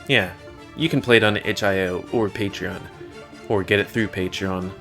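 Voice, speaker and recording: A man's voice: sits low, fairly even intonation, moderate pace, sharp tone. A man giving casual, rambling and crude commentary while playing a video game. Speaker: gaming YouTuber. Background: game music.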